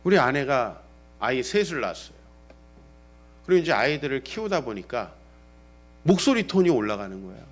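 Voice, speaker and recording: Lively middle-aged man preaching a sermon. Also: medium pitch, normal speed, long pauses. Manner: lively preaching, acting out dialogue, shifting from loud to hushed. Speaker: pastor.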